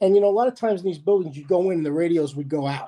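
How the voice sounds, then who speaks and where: A high-pitched man's voice with a dark, mellow tone comes through. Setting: phone call.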